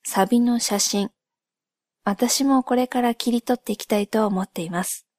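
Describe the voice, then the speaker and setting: A woman with a slightly high voice talks very slowly in a soft, ASMR-like monologue. She is gentle, polite and measured as she explains things. The sound is dry, with hardly any room to it. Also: dry recording. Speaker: host of a solo spoken channel.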